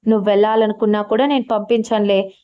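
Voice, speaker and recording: A woman reading the lines of a devoted young man in a love story, in a soft, affectionate way. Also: mid-range voice, fairly even intonation, fast, clean tone, dull audio, natural voice. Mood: tender.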